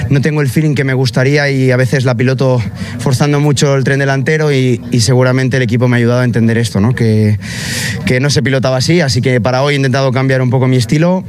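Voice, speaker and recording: A motorcycle racer talks fast after a race. He keeps restarting his sentences as he thinks aloud. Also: mid-range voice, a little mellow. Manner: fast, reflective, many hesitations. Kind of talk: post-race interview clip.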